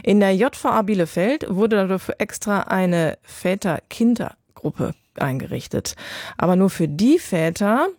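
A woman's voice: lowish voice, vocal fry, a little mellow, no room sound, studio quality. A woman presenting the news as anchor and handing over to a colleague's report.

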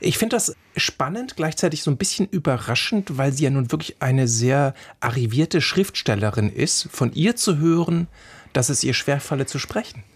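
Husky-voiced man from Franconia, reflective radio co-host. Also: mid-range voice, animated, moderate pace. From Franconia, Germany. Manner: conversational, reflective. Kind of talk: radio book discussion.

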